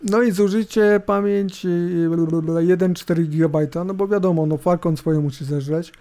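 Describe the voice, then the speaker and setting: A middle-aged tech review host gives casual, unscripted commentary on a screencast indoors at his computer, rambling and hesitating and tossing in small tag questions. His fairly high, soft-edged voice has a gravelly creak and stays steady at normal speed, while a laptop fan hums and hisses behind him.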